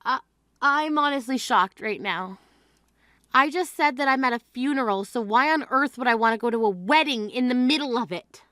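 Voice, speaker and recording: A woman's voice: high-pitched, normal speed, pushed and bright, no room sound, clean studio sound. An actress playing a grieving sister who scolds her self-absorbed sibling in a blunt, exasperated way. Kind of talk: scripted drama acting.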